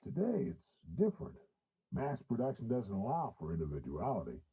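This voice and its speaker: Man, polished theatrical ad announcer, lively swooping intonation, old muffled tape, music bed. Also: medium pitch, a little fast, breathy edge. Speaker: voice actor. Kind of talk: vintage radio commercial voice-over. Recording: muffled, band-limited old demo tape. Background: music beds.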